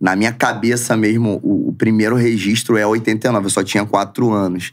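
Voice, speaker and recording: Here a man talks in a fairly low voice with a Carioca accent. The background is quiet. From Rio de Janeiro, Jacarepaguá. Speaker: organized football supporters' group leader. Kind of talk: casual interview. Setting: studio. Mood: nostalgic storytelling. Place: studio. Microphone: studio mic.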